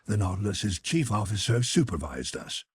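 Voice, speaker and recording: A man's voice: lowish voice, very animated, moderate pace, slightly rough, dry recording, clean studio sound. A man reading a classic novel aloud as a scripted audiobook narration.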